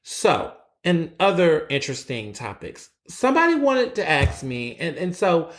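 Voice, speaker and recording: A fairly high-pitched, slightly slow male voice belongs to a US podcast host in his twenties running a solo opinion show. He's tired after a long late night but still animated, sassy, and blunt, repeatedly stammering and starting his sentences over.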